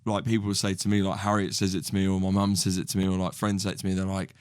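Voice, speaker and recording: Young man, low voice, dry sound, rambling guest, lots of fillers. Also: completely flat delivery, fast talker, clean tone, no room sound. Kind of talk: casual chat.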